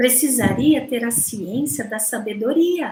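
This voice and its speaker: A woman at a very slow pace, high in pitch, with lively intonation. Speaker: spiritual teacher. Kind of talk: spiritual lecture. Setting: livestream.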